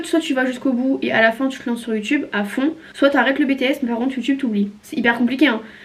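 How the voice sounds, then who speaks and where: A high-pitched woman's voice at a very fast pace with hardly any pauses and fairly even intonation, over noticeable background noise. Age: 20s. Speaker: youtuber. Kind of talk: casual chat.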